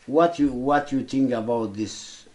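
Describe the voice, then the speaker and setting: A man with a Kurdish accent interviewing casually in simple, halting non-native English, often repeating words. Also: medium pitch, a little mellow.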